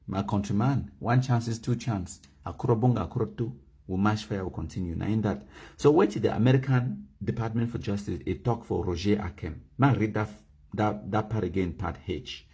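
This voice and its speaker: A Cameroonian man speaking Pidgin-flavoured English on a livestream, his voice low, dark and a little husky. He slows down to read out legal wording, leans hard on key words, then turns to his viewers and asks them to type in the comments. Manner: mixes Pidgin and English, reads documents slowly and stresses key words. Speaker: livestream host. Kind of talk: live broadcast commentary, reading legal text aloud.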